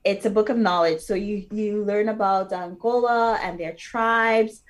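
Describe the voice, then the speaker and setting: An earnest woman author talks through her children's books in a relaxed interview. Her voice sits at a middle pitch, and she speaks thoughtfully, often pausing with fillers and restarting her sentences. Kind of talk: casual interview talk.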